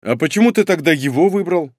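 A man reading aloud plays a blunt clan elder who teases and hurries things along. The voice swings lively in pitch and sounds dry and close. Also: quick pace, dry recording. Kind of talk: audiobook reading.

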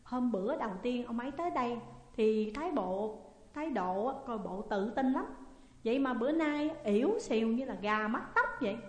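A woman reading a ghost story aloud in a steady manner. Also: on the high side, moderate pace. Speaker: narrator. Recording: long echoey reverb.

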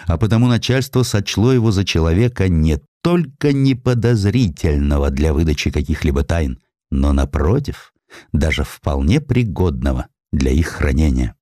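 A male narrator tells a historical tale in a deep, mellow voice. His delivery is dramatised and very expressive in pitch, and the sound is close and dry. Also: moderate pace, dry recording.

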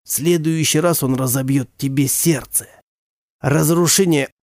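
A man playing a stern, scornful father who lectures coldly and shouts at his wife, in a storybook reading. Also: on the high side, fairly even intonation, unhurried, no echo, clean studio sound. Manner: cold and sarcastic, bursting into shouts.

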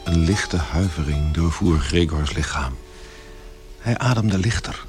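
An actor serving as the calm storyteller of a radio drama, giving scripted narration. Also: male voice, deep voice, a little slow. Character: calm storyteller of a strange tale. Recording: music behind the narration.

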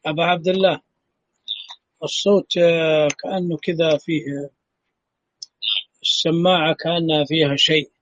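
Man teaching an online class, high voice, calm and patient, dry muffled sound. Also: normal speed, long pauses, dry recording. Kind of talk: online lesson, checking the audio.

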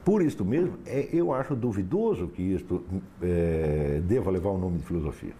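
A man lecturing on philosophy in a low, mellow voice that rises and falls sharply. He talks in an emphatic, sardonic way and keeps checking his listeners follow. Faint hiss sits under the recording. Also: lively intonation, normal speed. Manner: emphatic, sardonic, asks "tá certo?" for assent. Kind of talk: lecture to a class.

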